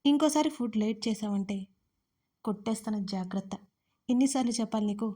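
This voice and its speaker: Woman voicing a young husband, firm, scolding, soft mellow tone, audiobook. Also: fairly high pitch, brisk, close to an everyday voice. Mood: stern. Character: young husband, stern but tender.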